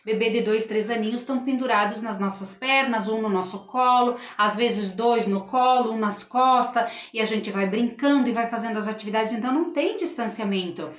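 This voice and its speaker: A woman's voice: fairly high pitch, brisk, hardly any pauses. A middle-aged woman, a school teacher, hosting a casual live stream and earnestly talking to her viewers. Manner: earnest, addresses viewers and reads their comments aloud. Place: at home. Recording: roomy, dull lo-fi home live stream.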